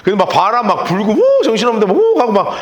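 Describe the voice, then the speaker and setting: A male pastor teaching the Bible in a lively storytelling sermon, telling listeners what to write down. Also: high-pitched, fast. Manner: lively storytelling, gives note-taking instructions.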